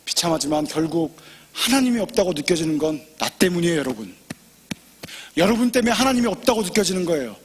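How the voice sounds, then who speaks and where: A man preaching a sermon as pastor, impassioned and personal, swinging from loud pleading to hushed near-whispers. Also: a little high, big pitch swings, quick pace, long reverb tail, slight background noise. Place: church sanctuary.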